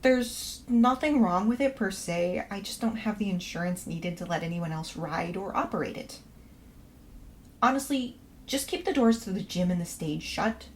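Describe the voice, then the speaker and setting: An actress playing a polite, quirky professor, reading a letter of instructions aloud in a matter-of-fact, reassuring way for a fiction podcast. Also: female voice, medium pitch, lively intonation, normal speed, close to an everyday voice. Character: polite, quirky woman professor giving house-sitting instructions. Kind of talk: scripted letter read aloud in a podcast promo. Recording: faint background noise and ambience.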